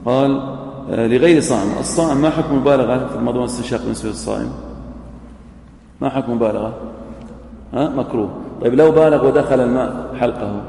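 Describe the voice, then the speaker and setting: A man teaches a class in a large hall with a long, ringing echo and faint room noise behind him. His voice is gravelly and dark. He reads a line from a text, says it again, then puts questions to his students. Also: medium pitch, fast talker, long pauses. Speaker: teacher of Islamic jurisprudence. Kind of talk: classroom lecture on a legal text. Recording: echoey hall recording with faint ambience.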